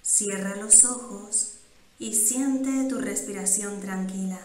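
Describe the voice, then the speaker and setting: A woman guiding a meditation in calm, measured instructions with pauses between phrases. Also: medium pitch. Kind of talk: slow, soothing guided meditation. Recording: roomy, echoing sound.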